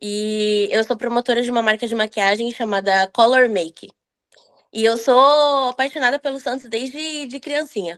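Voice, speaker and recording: Against a quiet background, a woman talks at a moderate pace in a high voice with ordinary pitch variation, the sound dry and close with no echo. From São Paulo state north coast, Brazil. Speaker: football fan, makeup brand promoter. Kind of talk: casual interview chat.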